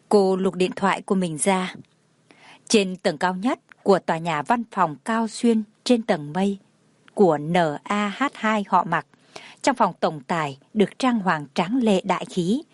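A woman reading a romance novel aloud in a steady, even storytelling manner. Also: medium pitch, no echo. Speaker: narrator. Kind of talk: scripted audiobook narration.

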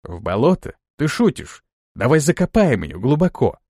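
A man's voice: mid-range voice, sing-song, moderate pace, mellow, breathy edge, dry recording, studio quality. A man voicing a brash, hot-tempered young lord in an audiobook, given to indignant outbursts.

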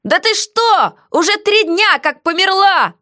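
A woman's voice: extremely high pitch, sing-song, a little slow, sharp tone, pitched above the performer's own voice, heavily acted. A woman voicing a defiant, cheeky female prisoner who answers with mocking, sassy retorts. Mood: teasing.

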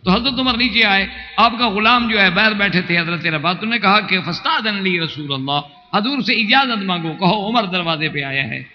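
A man's voice: sits high, a little hiss or hum. A man preaching a sermon, telling a story at length and reciting verses in a chanting lilt. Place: mosque hall. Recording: muffled recording with long hall reverb.

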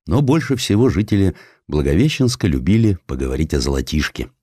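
A man's voice: low voice, big pitch swings, brisk, a little mellow, no echo, clean studio sound. A man narrating a historical sketch as an audiobook, in a theatrical and wry storytelling manner.

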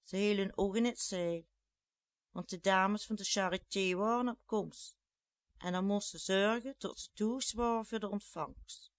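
Slow Flemish dialect storyteller. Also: mid-range voice, no echo, clean studio sound. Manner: slow, deliberate reading.

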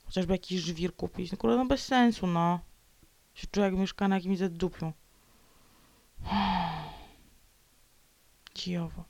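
A woman's voice: lowish voice, fairly quick, creaky, darkish tone, no echo. A woman vlogger talking alone in a sulky, ranting way, slipping into whispered mutters and playful growls. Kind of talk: grumbling solo monologue.

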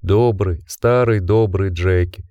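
A man voicing a dying, gentle male werewolf who speaks slowly, stressing each word, weak and fading. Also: sits low, steady tone, dry recording. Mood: tender, fading.

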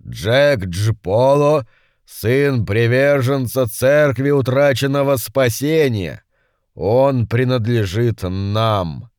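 A man voicing a pompous ancient demon lord who speaks in a slow, booming, imperious manner in an audiobook. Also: a little mellow, clear, resonant tone, dry recording, studio quality, lightly acted. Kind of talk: audiobook character voice.

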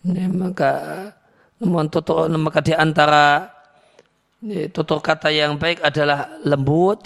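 An Islamic teacher with a slightly high voice lectures on hadith, explaining calmly despite many restarts. He recites Arabic verses and then translates them.

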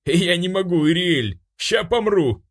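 A mischievous male demon in an audiobook, all snickering mockery, voiced by a man. The voice sits far above the reader's own and leaps up and down with glee. He teases loudly, barely holding back laughter. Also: fairly high pitch, big pitch swings, normal speed, pitched above the performer's own voice. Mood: mocking. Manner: mocking, laughing, raised voice.

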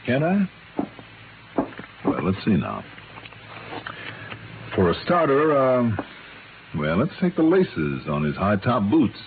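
An American actor playing a shrewd, hard-nosed insurance investigator in an old-time radio drama, confident, pressing and sardonic. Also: male voice, mid-range voice, huge pitch swings, takes it slowly, pauses often, heavily acted. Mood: accusing, confident. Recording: vintage radio, narrow band, faint hiss.

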